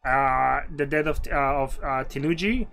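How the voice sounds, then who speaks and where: A man's voice: mid-range voice, gravelly, a bit bright, soft background music. Man reading a visual novel aloud. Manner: reads narration slowly and earnestly, chats loosely between. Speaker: streamer.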